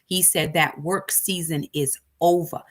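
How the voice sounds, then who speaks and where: A woman's voice: low voice, steady tone, measured pace. A woman, telling a personal faith story in an emphatic, preacherly way, full of repetition. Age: 40s. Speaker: ministry host. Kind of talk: personal testimony.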